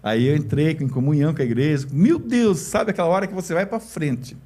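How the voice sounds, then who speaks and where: A quick-paced middle-aged man with a Brazilian Portuguese accent, sharing his testimony as a church elder. His voice sits a bit high but has a dark, mellow tone. He tells the story warmly and acts out the voices of the people in it. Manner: storytelling, acts out quoted dialogue. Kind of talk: emotional personal testimony.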